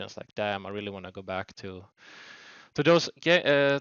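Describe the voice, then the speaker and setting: A man talks with a non-native accent. His pace is fairly quick. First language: not English. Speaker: gaming youtuber. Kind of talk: solo commentary podcast. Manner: fast.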